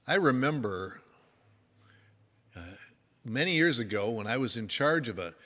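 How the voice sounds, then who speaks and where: A man's voice: medium pitch, animated, unhurried, bright, forceful tone, big-room sound. An older man giving a sermon to a congregation, telling stories in a folksy, self-deprecating way. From United States. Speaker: pastor.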